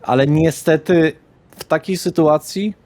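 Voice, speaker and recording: A man's voice: on the high side, steady tone, unhurried, a little mellow. A man refereeing a tabletop role-playing game as game master, explaining things in a conversational way.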